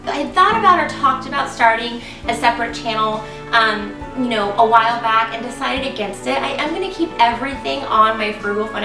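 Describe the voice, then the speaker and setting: Excited chatty woman, a bit congested and raspy, kinda high voice, a little far from the mic. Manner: chatty, excited, lots of ums. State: congested, getting over a cold. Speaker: vlogger. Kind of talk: casual vlog talking to viewers. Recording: echoey room, voice a bit off-mic.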